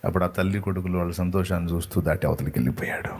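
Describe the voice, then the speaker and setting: A man's voice: low voice, rapid-fire, a little mellow, slight background noise. A man preaching a sermon, retelling a story dramatically and voicing the people in it. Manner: dramatic retelling with quoted voices.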